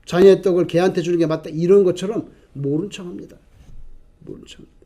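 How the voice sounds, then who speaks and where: Pastor, male, very high voice, animated preaching with rhetorical questions. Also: fast. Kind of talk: sermon.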